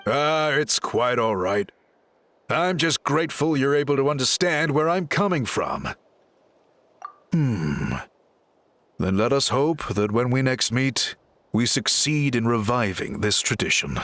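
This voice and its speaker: A man playing an earnest, courteous tribal craftsman and reformer in a video game, speaking in polite, measured, articulate phrases. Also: mid-range voice, sing-song, fairly bright tone. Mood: earnest, resolute. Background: background music.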